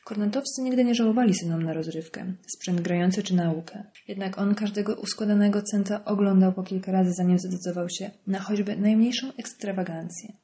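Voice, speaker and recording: A woman narrating a crime novel audiobook in a steady, even reading. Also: mid-range voice, fairly quick, hardly any pauses. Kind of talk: scripted narration.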